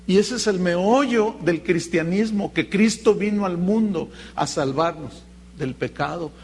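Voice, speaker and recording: A pastor preaching a sermon, telling anecdotes in a lively way and imitating the people in his stories. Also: sits high, a little slow, slight background noise. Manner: animated storytelling, mimics voices in quotes.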